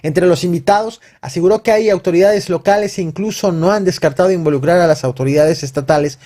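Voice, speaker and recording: A man's voice: sits high, quick pace, dark tone. A man narrating a scripted news report.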